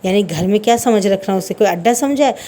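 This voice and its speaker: A woman voicing a stern, quick-tempered wealthy mother who scolds, in a spoken story. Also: medium pitch, dark tone, natural voice. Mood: angry.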